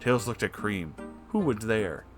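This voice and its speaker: A man's voice: on the low side, big pitch swings, unhurried, soft background music. A man reading fan fiction aloud for comedy, mock-serious and amused, with dry asides. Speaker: reader.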